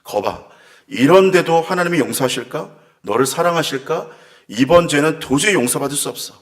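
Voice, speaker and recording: A man's voice: a little high, expressive, normal speed, lightly acted. A man voicing a taunting male tempter spirit that whispers doubting questions.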